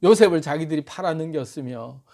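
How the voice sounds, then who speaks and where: A man's voice: on the high side, fairly quick. A man retelling a Bible story dramatically, with lots of emotion, and acting out the characters' lines. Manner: animated, dramatic, acts out dialogue.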